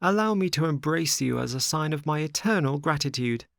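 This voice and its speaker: An earnest young marionette boy played by a man reading a storybook. The voice sits high and moves in lively swoops, declaiming each line with emphasis, close and dry. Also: brisk, gravelly, dry recording. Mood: grateful. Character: earnest, grateful little boy marionette, scolding when wronged.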